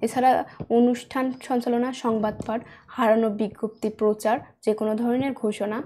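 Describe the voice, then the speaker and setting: A woman's voice: fairly high pitch, dark tone. A young woman with a standard Bangladeshi Bengali accent, teaching a school lesson and patiently repeating her points. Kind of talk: classroom lesson narration. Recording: faint background noise with clicks.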